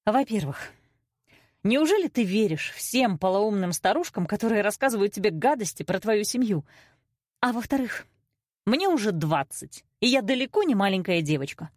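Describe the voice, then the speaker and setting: A woman's voice: mid-range voice, very animated, normal speed, no echo, clean studio sound, voice pushed up. A woman voicing a hurt, defiant twenty-year-old daughter in an audiobook, indignant and emotional. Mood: seething. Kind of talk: audiobook character acting.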